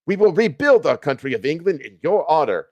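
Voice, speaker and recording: A man's voice: a little high, big pitch swings, a little fast, a little mellow, no echo. A man playing grateful, pleading soldiers and statesmen in a storybook reading.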